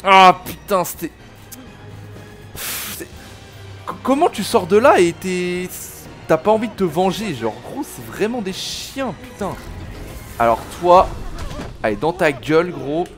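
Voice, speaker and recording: A man's voice: high voice, sing-song, unhurried, long pauses, a bit bright, soft background music. A man, angry, swearing and slangy, commenting on a video game he plays and talking to his viewers. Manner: swearing, slangy, talks to viewers as "les gars". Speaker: gaming video host. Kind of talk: let's play commentary.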